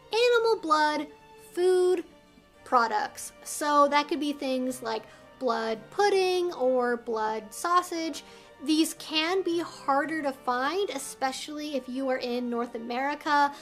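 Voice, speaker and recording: A woman with a noticeably high voice presents an explainer vlog. She addresses her viewers directly in careful, emphatic phrases. Soft music plays faintly behind her. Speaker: video host and educator.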